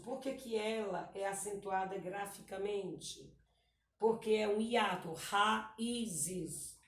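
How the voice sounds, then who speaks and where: A woman teacher, patiently explaining grammar exercises and often checking in with the class. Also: medium pitch. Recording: echoey room, voice far from the mic.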